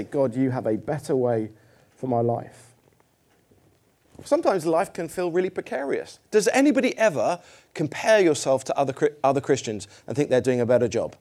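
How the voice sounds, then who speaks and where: A man's voice: on the high side, dark tone. A middle-aged man preaching a sermon in a church, conversational and self-deprecating, putting questions to the congregation.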